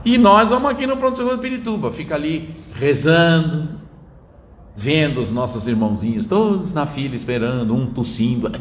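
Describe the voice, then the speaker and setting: A man's voice: fairly high pitch, animated, brisk, slight background noise. An older man giving a casual spiritual talk, telling anecdotes and tagging his lines with "né?". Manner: chatty storyteller, tags lines with "né?". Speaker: spiritist lecturer. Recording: roomy echo.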